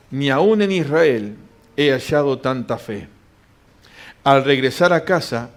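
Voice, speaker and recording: A man preaching a sermon in a church, reading scripture aloud and answering his own questions. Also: fairly high pitch.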